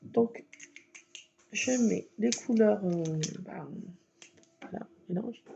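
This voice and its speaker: Woman, gravelly fry, slow chatty crafting talk, dull lo-fi recording with faint hiss. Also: mid-range voice, warm tone. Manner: chatty, talks viewers through each step with many fillers. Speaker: craft vlogger. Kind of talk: casual crafting tutorial. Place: at home at a craft table. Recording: dull lo-fi sound with faint noise.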